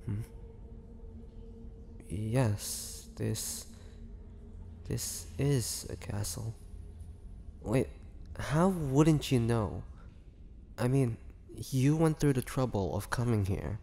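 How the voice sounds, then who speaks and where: A man playing a weary, brooding ancient vampire in a dramatic audio roleplay, speaking haltingly with a low, gravelly voice. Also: expressive, warm tone, full character voice. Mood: confused. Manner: slow, halting, brooding delivery with pauses. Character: weary, imprisoned ancient male vampire, groggy and menacing. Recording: long cavernous reverb, background noise.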